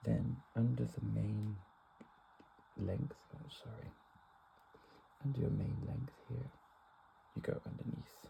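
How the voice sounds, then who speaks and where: Speaking very slowly in a soft, relaxed voice, the speaker leaves long, frequent pauses over noticeable background noise. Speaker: ASMR content creator. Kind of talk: quiet ASMR learning session, soft-spoken talk to camera. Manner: soft-spoken, slow, relaxed.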